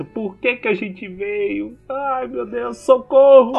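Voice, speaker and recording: In a put-on character voice, the speaker sounds whiny, pitched fairly high and paced fairly slowly. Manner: lamenting, whining.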